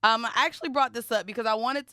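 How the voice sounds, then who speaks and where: A woman's voice: on the high side, quick pace, bright, forceful tone, clear, resonant tone, no echo. A woman co-hosting a podcast in a studio, chatting casually with teasing, slangy, profane humor. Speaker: podcast co-host. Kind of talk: casual, explicit studio chat.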